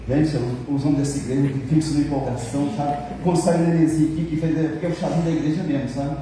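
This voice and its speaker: A pastor with a Brazilian Portuguese accent preaches in a church hall, joking with his congregation and acting out the dialogue in his stories. His voice sits on the high side, warm, quick and level in tone. The recording is very echoey, the mic far off, with a slight hiss or hum.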